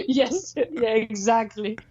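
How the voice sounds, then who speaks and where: A young woman from Canada, chatting as a guest in a remote interview. She is animated, laughs often and acts out what people said. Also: a little high, lo-fi sound, slight background noise. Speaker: guest, traveling jiu-jitsu instructor.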